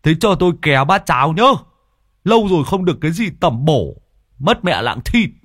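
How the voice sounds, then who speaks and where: A man's voice: a little high, big pitch swings, normal speed, fairly bright tone, dry recording, studio quality, pitched above the performer's own voice. A man voicing a greedy, cheeky freeloading man. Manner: cheeky, grumbling.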